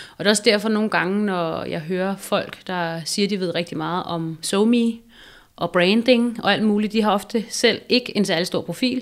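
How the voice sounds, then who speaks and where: In a very clean recording with a silent background, an unremarkable speaking voice moves at a moderate pace with ordinary pitch variation. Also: woman. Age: 30s. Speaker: Instagram influencer. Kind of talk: casual interview. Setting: at the guest's home.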